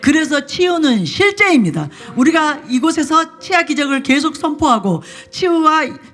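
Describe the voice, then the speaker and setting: Music plays in the background as a woman speaks at a moderate pace with lively intonation. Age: 60s. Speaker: pastor. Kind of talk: sermon with healing declarations. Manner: loud, emphatic commanding declarations.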